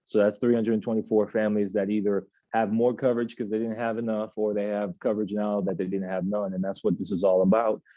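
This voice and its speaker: A man in his thirties hosting an office team meeting, reading out announcements in a relaxed, chatty way with plenty of filler sounds. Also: fairly low pitch, brisk, hardly any pauses, no room sound, dull audio. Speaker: agency meeting host. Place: office meeting room, indoors.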